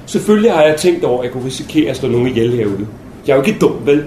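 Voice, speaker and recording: A man's voice: medium pitch, sing-song, dark tone, lightly acted. A young man acting a brash, shaken male soldier in a theatrical monologue, coarse and restless, in a roomy space with faint noise. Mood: agitated.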